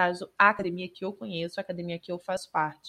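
A woman's medium-pitched voice in a Carioca accent, at a fairly quick pace. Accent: carioca Brazilian Portuguese. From Rio de Janeiro, Brazil. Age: 20s. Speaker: history podcast host and history student. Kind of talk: solo podcast monologue. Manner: casual, laughs often.

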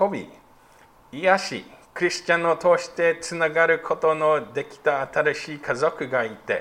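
This man has a fairly high pitch and speaks with an English accent. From Australia. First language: English (speaking Japanese). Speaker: missionary. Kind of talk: testimony.

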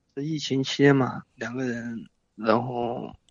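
Talking at a fairly slow pace, a man holds a medium pitch with monotone, flat intonation. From Hubei, China. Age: 20s. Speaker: caller seeking relationship advice. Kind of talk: phone-in advice call. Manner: halting.

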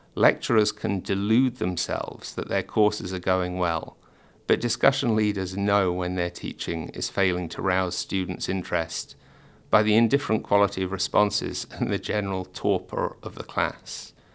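On a very clean recording with a silent background, a man speaks with an English accent at a fairly low pitch. His pace is moderate and his intonation fairly even. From England. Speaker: philosophy professor. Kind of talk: interview storytelling.

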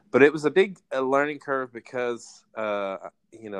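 A man with a Texas accent is heard against a quiet background, the sound dry and close with no echo. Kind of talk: casual chat.

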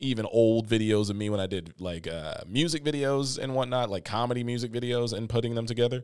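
At a moderate pace, a man with a medium-pitched, plain, everyday voice speaks with ordinary pitch variation. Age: 30s. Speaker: podcast host. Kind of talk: casual chat. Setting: studio. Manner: casual, many filler words.

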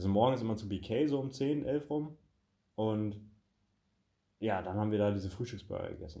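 Talking at a very fast pace yet with long, frequent pauses, a man uses lively intonation in a dark, mellow tone that is somewhat breathy. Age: 20s. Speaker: podcast co-host. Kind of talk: casual chat.

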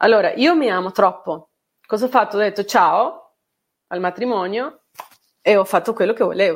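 At a moderate pace and medium pitch, a woman talks in an animated tone, leaving long, frequent pauses. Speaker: wedding and portrait photographer. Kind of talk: interview.

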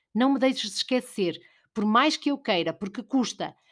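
In a very clean recording with a silent background, a woman with a plain, everyday voice talks at a fairly quick pace with lively intonation. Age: 60s. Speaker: teacher and opinion columnist. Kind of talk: reading aloud of a personal essay.

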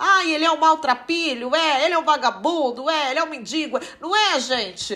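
A woman's raised, projected voice, high in pitch, over noticeable background noise. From Brazil (born in Portugal, moved at about 7). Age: 30s. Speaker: podcast host. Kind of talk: casual solo podcast monologue. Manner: animated.

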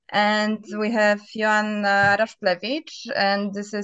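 Speaking at a very slow pace is a woman. Her voice has a medium pitch. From Poland. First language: Polish. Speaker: veterinary anesthesiologist, event organizer. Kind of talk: casual interview.

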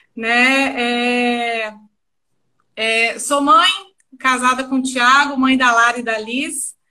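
A woman's high-pitched, bright, sharp voice, very slow with long, frequent pauses and fairly even intonation, in audible room echo. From Espírito Santo, Brazil. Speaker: sales director, print industry. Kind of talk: interview.

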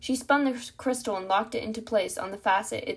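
What you hear is a natural reading voice.

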